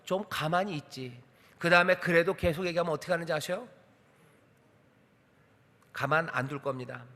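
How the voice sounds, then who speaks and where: High, bright-voiced male pastor preaching. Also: a little fast. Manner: emphatic preaching with rhetorical questions. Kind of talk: sermon. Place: church sanctuary. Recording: church hall reverb.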